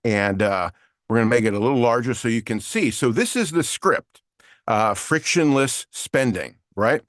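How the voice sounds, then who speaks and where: A voiceover coach teaches an online lesson with screen share, explaining things casually and with lots of fillers. His voice is medium-pitched, expressive and fairly bright, at a moderate pace. The recording is clean studio sound with no room sound.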